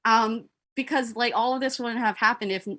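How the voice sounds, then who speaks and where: A woman's voice: fairly high pitch, steady tone, normal speed, a bit bright. A young woman organizing a livestream, talking casually in an effusive, earnest, giggly way. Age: young adult. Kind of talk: casual chat.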